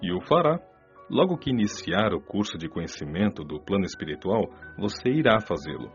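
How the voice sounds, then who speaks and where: An actor with a Brazilian accent playing a kindly, wise male spirit mentor, explaining things in a measured, didactic way for a radio drama. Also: lowish voice, very animated, vocal fry. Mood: encouraging. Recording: lo-fi band-limited audio, music behind. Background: music.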